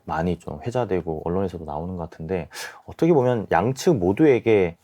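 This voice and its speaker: A man in his forties giving measured, softened explanations as an expert guest in a radio interview. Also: deep voice, lively intonation. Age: 40s. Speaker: guest, small-business expert and YouTuber. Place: radio studio.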